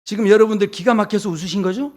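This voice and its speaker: A man's voice: high voice, rapid-fire, darkish tone. A man preaching a Sunday sermon as pastor, joking with the congregation and acting out the people he quotes. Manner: playful, jokes with the congregation, acts out quoted voices. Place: church sanctuary.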